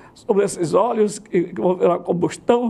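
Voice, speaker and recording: There is noticeable background noise. A man with a high voice speaks at a moderate pace with ordinary pitch variation. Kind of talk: testimony.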